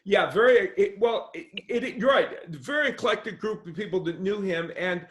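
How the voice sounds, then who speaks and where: A man's voice: high-pitched, animated, normal speed, a bit bright. A man hosting an interview, casually rambling and restarting his questions as he goes. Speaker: interviewer and host. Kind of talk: conversational interview. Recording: roomy echo.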